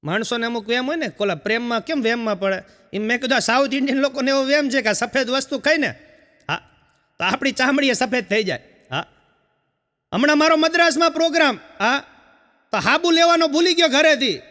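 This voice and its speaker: A man telling stand-up jokes, a chatty storyteller who peppers his talk with quick "haa" fillers. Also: extremely high pitch, bright, forceful tone, long reverb tail. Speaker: stand-up comedian.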